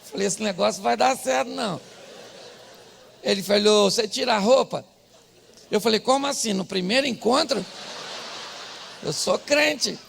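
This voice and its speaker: Gravelly, bright-voiced Brazilian preacher man. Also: high voice, normal speed, pauses often, slight background noise. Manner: comic storytelling, swings from murmured asides to shouted punchlines. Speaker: pastor. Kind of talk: humorous sermon storytelling.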